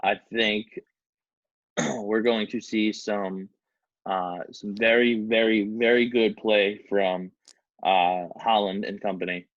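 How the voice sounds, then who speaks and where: A man's voice: on the low side, fairly even intonation, slow pace, no room sound. A man co-hosting a podcast, chatting casually and hesitantly about football. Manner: hesitant, stumbles over foreign names. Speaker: podcast co-host. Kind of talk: casual sports chat. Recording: dull lo-fi, dry sound.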